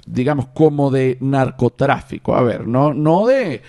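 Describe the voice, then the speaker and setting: A young Venezuelan man hosts a casual podcast, his voice sitting at an ordinary middle pitch. He rambles in an animated way, backing up and restarting his sentences as he goes. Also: unhurried, gravelly. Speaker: podcast host.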